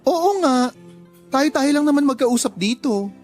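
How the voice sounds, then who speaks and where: Sassy effeminate young gay sweetheart, radio drama, bit of music behind. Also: male voice, very high voice, a little slow. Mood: sassy, teasing. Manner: campy, effeminate, expressive gay slang. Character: young openly gay person, Bria, sassy and lovestruck. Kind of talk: Tagalog radio drama acting.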